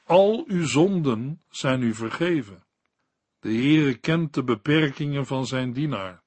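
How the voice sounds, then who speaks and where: A man giving a scripted Bible commentary in a slow, measured reading voice. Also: medium pitch, expressive, a little mellow, no room sound.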